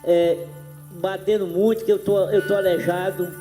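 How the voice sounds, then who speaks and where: A Brazilian man with a high, mellow voice gives personal testimony. His speech is toothless and slightly slurred, with faint music behind him. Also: little pitch movement, normal speed. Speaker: witness recounting abuse.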